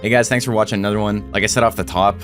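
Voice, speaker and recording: A man narrating a scripted video essay in a blunt, casual way that includes free swearing, his voice hoarse, cracking and frying. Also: on the low side, fairly even intonation, rapid-fire, music in the background. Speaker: host of a game strategy channel.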